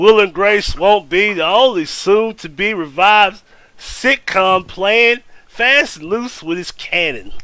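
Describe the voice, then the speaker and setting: Using a put-on character voice, a man drawls at a fairly slow pace in a high pitch. His loudness swings widely. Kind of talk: rural.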